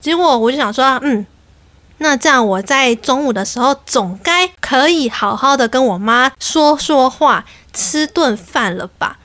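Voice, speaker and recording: A young adult woman hosting a podcast, telling a story in an animated, exasperated way and quoting people as she goes. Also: high voice, a little slow, dry recording. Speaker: podcast host. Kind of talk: casual storytelling.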